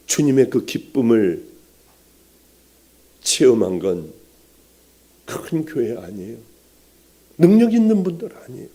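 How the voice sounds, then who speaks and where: An older man preaching a sermon as a pastor, telling a personal testimony with strong emotion and often dropping to hushed, near-whispered words. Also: lowish voice.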